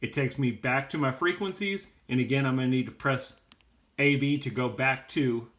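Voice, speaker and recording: A man's voice: mid-range voice, normal speed, fairly bright tone. Plain-spoken man giving a casual tutorial. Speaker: how-to video host.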